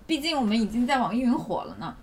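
High, playful woman co-host. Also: sing-song, quick pace, crowd noise. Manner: playful, self-mocking. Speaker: podcast co-host. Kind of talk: casual chat.

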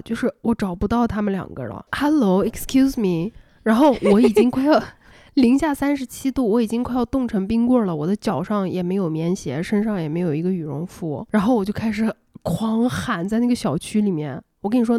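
A woman podcast host telling a personal story in casual chat, animated and laughing often. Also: mid-range voice, no room sound, studio quality. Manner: animated, laughs often, acts out quoted lines.

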